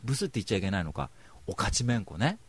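Rambling, fast-talking male radio host. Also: on the low side, sing-song, breathy edge, dry recording. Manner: rambling, crude, mock-outraged. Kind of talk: comic radio storytelling.

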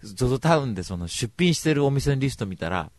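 A man hosting a radio show, telling a comic story in rough, blunt casual speech and retelling it with big exaggeration. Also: medium pitch, sing-song, fast talker, darkish tone, dry recording.

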